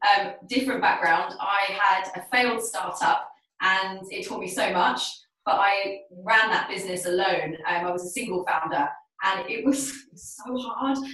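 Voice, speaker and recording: A woman at a medium pitch and fairly slow pace, ordinary pitch variation, in audible room echo. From England, Essex (Gants Hill, east London). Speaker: magazine co-founder. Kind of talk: casual chat.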